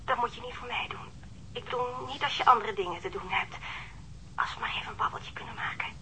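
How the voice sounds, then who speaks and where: Bright-voiced, lonely, anxious wife. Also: female voice, on the high side, quick pace, in a whisper, poor audio. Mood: lonely, pleading. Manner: hesitant, pleading, tender. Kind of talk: naturalistic radio drama acting.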